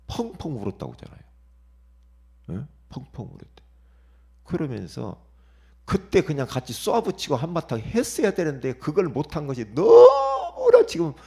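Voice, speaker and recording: A middle-aged male pastor preaching a dawn sermon, shifting sharply between hushed whispers and loud outbursts and often calling "예?" to the congregation. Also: medium pitch, creaky, husky. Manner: dramatic swings from whispers to shouts; asks the congregation "예?" for response.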